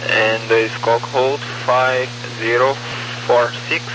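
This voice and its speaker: A man working as a controller, reading out a route clearance piece by piece in a halting way over aviation radio. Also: mid-range voice, little pitch movement. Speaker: air traffic controller giving clearance. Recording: humming, noisy aviation radio.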